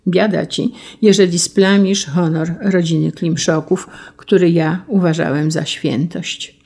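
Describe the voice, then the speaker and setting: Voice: medium pitch, fairly even intonation, a little slow, darkish tone, breathy edge. A reader voicing a proud young count who gives up his name and estate, dignified and firm in an audiobook reading.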